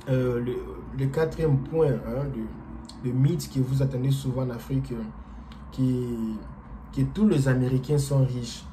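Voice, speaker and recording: A man's voice: medium pitch, mellow, a little hiss or hum, low-quality recording. A man from DR Congo whose first language is not French, giving a casual explanatory vlog monologue and talking hesitantly, with many fillers and repeated words. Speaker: vlogger.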